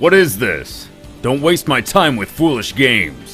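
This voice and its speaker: A man's put-on character voice, medium in pitch, at a moderate pace, with clear music in the background. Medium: dub.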